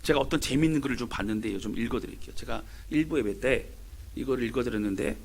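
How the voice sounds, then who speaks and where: A man's voice: medium pitch, fast talker. A male pastor from Seoul preaching a sermon, emphatic and speaking straight to his congregation. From Seoul, Korea. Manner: emphatic, addressing the congregation directly.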